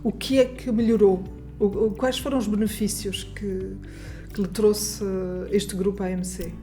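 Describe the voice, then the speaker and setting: Woman radio host, mellow voice. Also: mid-range voice, steady tone, a little slow, soft background music. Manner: brief prompting interjections. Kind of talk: interview questions. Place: radio studio.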